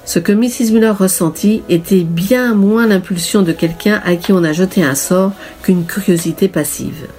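Woman narrating a story, measured. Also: medium pitch, darkish tone, faint music behind. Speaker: audiobook narrator.

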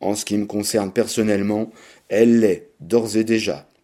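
A man's voice: fairly low pitch, fairly even intonation, moderate pace, dark tone, close to an everyday voice. A man reading aloud and voicing a young man who speaks dryly and dismissively. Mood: curt. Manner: dry, clipped delivery.

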